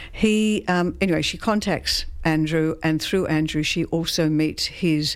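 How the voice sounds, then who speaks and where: In an Australian accent, a woman talks at a very deep, low pitch with ordinary pitch variation. She speaks very slowly. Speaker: novelist. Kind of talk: interview. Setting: studio.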